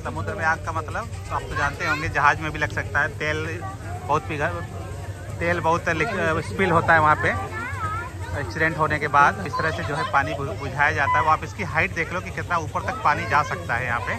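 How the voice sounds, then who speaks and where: Higher-pitched Indian man explaining things. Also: fairly even intonation, brisk. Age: middle-aged. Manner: informal, instructive, pointing things out as he goes. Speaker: vlog host. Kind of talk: casual explanatory vlog narration. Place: outdoors in an open parking lot at a public event. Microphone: phone at arm's length.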